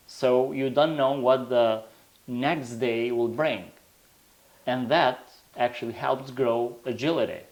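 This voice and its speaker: Albanian-accented man reflecting on leadership. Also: medium pitch. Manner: reflective, explains with examples. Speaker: author, guest. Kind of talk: interview answers.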